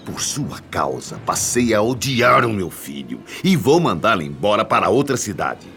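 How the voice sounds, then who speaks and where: A possessive, mocking patriarch in a Brazilian radio drama, with a Brazilian accent. The voice is very low and gravelly, swinging widely in pitch as he domineers and threatens, with faint music behind. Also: big pitch swings, moderate pace, fairly bright tone, full character voice. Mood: bitter, threatening. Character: possessive, menacing older father-in-law obsessed with a young woman. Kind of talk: radio soap opera acting.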